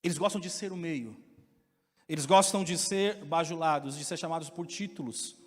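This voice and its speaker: A Brazilian man preaching a sermon as pastor, with impassioned delivery that climbs to loud, emphatic peaks. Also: a little high, moderate pace. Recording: reverberant hall with faint music.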